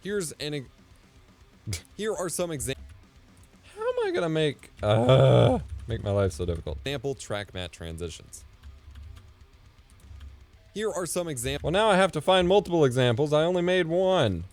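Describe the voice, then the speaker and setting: A man in his thirties live-streaming from his home setup as he edits video, thinking out loud and muttering asides under his breath. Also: a little high, wildly swooping pitch, moderate pace, long pauses. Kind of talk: casual live-stream commentary while video editing. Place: home streaming room, indoors. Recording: dry close mic with faint music.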